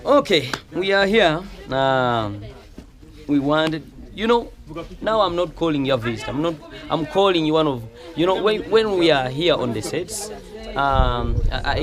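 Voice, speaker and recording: This Ugandan-accented host speaks in a slightly high, expressive voice at normal speed. Conducting a relaxed interview on a film set, he stumbles through fillers and restarts and slips into Luganda commentary while a crowd chatters behind him.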